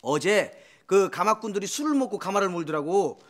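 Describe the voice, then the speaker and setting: A man's voice: high voice, expressive, a little fast. A man playing a young constable in a historical sitcom, chatting and gossiping to his friends. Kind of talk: sitcom acting.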